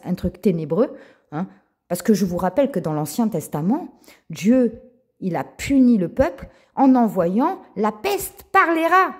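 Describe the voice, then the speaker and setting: A woman giving a spoken Christian testimony to her viewers, animated, repeating words and calling them her friends. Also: mid-range voice, slightly rough. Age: adult with a child. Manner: retells dialogue in quoted voices.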